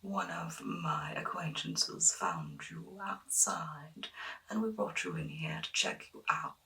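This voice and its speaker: Woman as eccentric female doctor, ASMR roleplay: gentle, courteous, whispered delivery with a crisp, bright edge. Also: low voice, huge pitch swings, slow, far from the mic, full character voice, low-quality recording. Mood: welcoming. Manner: gentle, polite, soothing bedside instructions.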